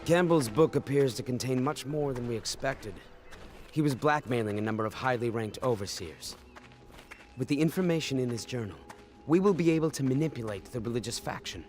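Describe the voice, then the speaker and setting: Casting: male actor as resolute, scheming faction man, medium pitch, measured formal speech, game score behind. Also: animated, darkish tone, faint music behind, close to an everyday voice. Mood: calculating. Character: stern, calculating male conspirator leader. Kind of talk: video game cutscene acting.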